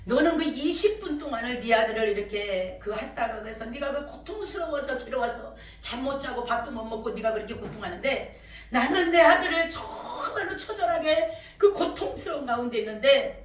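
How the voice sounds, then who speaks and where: A woman pastor voicing God as a stern, cold figure who speaks slowly and solemnly in a sermon. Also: a little high, expressive, far from the mic, close to an everyday voice. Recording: echoey church from afar, faint noise.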